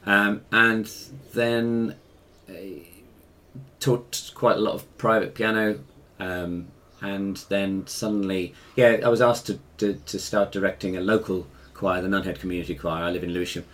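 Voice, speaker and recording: Man, fifties, English RP, low pitch, conversational storytelling, hesitant and self-correcting. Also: steady tone, moderate pace, a bit bright. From Africa and Ireland, later England. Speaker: interview guest, musician and choir director.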